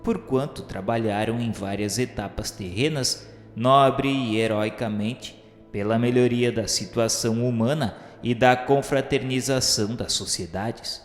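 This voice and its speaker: A man's voice: medium pitch, measured pace. Male narrator, Brazilian accent, mid-range voice, formal and solemn radio-novel reading, heavy hall reverb. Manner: formal, literary delivery. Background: music.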